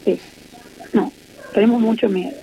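A middle-aged woman from Argentina with an Argentine Spanish accent, speaking as an interviewee in a phone interview, earnest and measured with many hesitations. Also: mid-range voice, fairly even intonation, gravelly, dark tone, slight background noise. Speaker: interviewee, peace activist. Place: at home in Israel. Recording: muffled lo-fi phone line.

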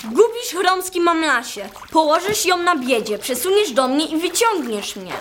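A young female performer playing a brash, sharp-tongued girl with a Silesian accent in a radio play. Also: extremely high pitch, sing-song, moderate pace, noisy background. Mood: bossy. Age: child or teenager. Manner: feisty, blunt, scolding.

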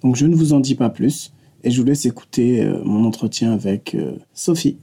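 Man, podcast host, mellow dark voice, slightly husky, casual interview talk. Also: medium pitch, normal speed. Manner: scripted intro, then relaxed and chatty with fillers.

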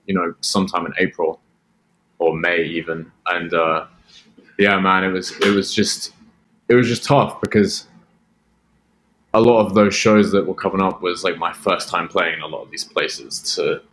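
A low-voiced man from Britain chats casually as a podcast guest. His British accent is blended with American, so it comes across as Australian. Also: level tone, normal speed, a bit bright, slight background noise, rough recording. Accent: British mixed with American, sounds Australian. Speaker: podcast guest, music producer. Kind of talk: casual chat.

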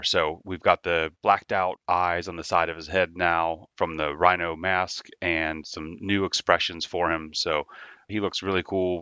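A toy designer, a man, explaining his figures in a relaxed, detailed way. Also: low-pitched, smooth, dry recording, highs cut off. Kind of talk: casual explanation.

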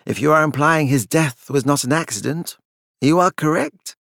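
A male narrator acts out a cold, practical gentlewoman from a storybook. She speaks with formal, controlled dryness and quiet menace, her pitch lifted and the sound close and dry. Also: moderate pace, creaky, no echo.

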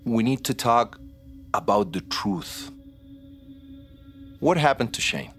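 An actor playing a stern police detective who questions firmly and measuredly, then turns accusing. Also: male voice, medium pitch, animated, slow pace, vocal fry, fairly bright tone, faint music behind, heavily acted. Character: stern hard-pressing male detective.

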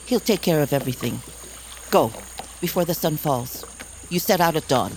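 An actor, a man, playing an aged, fond tribal elder with a measured, solemn manner in an audio drama. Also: fairly high pitch, animated, darkish tone, slight background noise, rough recording.

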